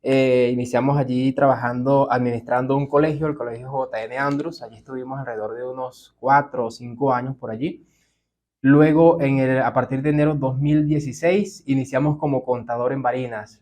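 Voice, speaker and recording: A middle-aged man with a Venezuelan accent speaks as the guest on a church podcast. His talk is unhurried and reflective, full of small fillers and tag questions. His pitch sits at an average height for a man. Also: darkish tone. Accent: Venezuelan Spanish. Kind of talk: relaxed podcast interview.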